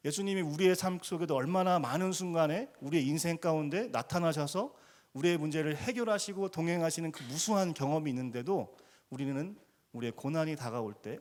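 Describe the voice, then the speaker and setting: A man's voice: on the high side, a little mellow. A man preaching a sermon as a missionary in a church, earnest, acting out quoted cries with rising emphasis. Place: church sanctuary.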